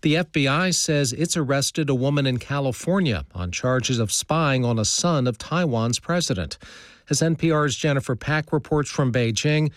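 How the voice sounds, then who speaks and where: A man reading a radio news bulletin in a crisp, formal delivery. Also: mid-range voice, no room sound. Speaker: newscaster.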